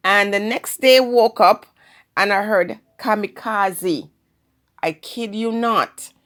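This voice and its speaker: A woman with a Jamaican accent hosting her own channel, talking earnestly and in a measured way straight to her viewers. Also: medium pitch, fairly bright tone. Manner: earnest, measured, speaks of spiritual guidance. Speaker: channel host. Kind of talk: solo commentary to camera.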